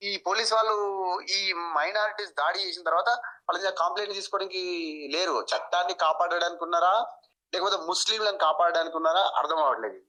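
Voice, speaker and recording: Bright, fast-talking Telangana Telugu man. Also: high-pitched, low-quality recording. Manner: insistent, repeats points. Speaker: local activist interviewed by phone. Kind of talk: interview account of an incident.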